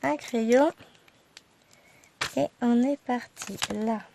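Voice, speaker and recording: A woman with a stuffy nose, casually counting her thread skeins aloud in slow, quiet numbers and chatting in asides. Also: fairly high pitch, creaky, noisy background. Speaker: cross-stitch YouTuber.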